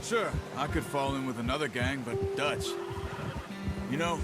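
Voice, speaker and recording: An actor playing a wary, self-reliant Western outlaw tracker in a video game, terse and plain-spoken, with an American accent. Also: male voice, medium pitch, measured pace, natural voice. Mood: frank, reflective. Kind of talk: video game character dialogue. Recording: loud music behind the voice. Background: loud game music.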